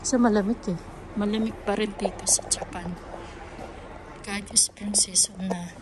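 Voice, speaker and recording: A woman's voice: fairly even intonation, moderate pace. A Filipino woman chatting casually as a family vlogger and mother, mixing in Japanese and English words. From Philippines. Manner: talks to her children in between narrating, mixing in Japanese and English words. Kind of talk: casual vlog chat. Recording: noisy home-video sound with ambient rumble.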